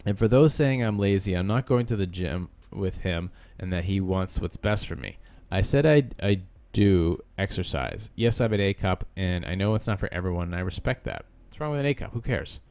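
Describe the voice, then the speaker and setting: A man reads someone's post out loud on his podcast. He stops often to add sarcastic remarks of his own. It sounds like a relaxed, talky solo show. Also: low-pitched, normal speed, hardly any pauses. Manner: sarcastic asides between read lines. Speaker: podcast host. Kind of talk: reading a post aloud with commentary.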